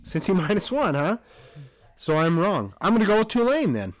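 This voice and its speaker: Male podcast co-host, slightly high pitch, dry close sound, rambling casual sports talk. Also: sing-song, normal speed, no room sound. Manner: rambling, self-correcting, chuckling.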